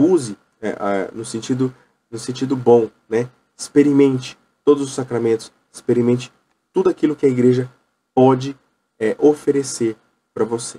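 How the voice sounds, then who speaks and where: A man's strained, dark and mellow voice at medium pitch, moderate pace and fairly even intonation, with long, frequent pauses and a dry, close sound with no echo. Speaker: catechism teacher. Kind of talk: religious lecture. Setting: at home. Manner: subdued, restrained; soft-spoken.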